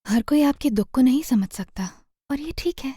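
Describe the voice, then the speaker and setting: A woman narrating a guided meditation in a soothing, gentle manner, often trailing off into a near-whisper. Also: sits high, expressive, normal speed, slightly rough, dry recording, clean studio sound.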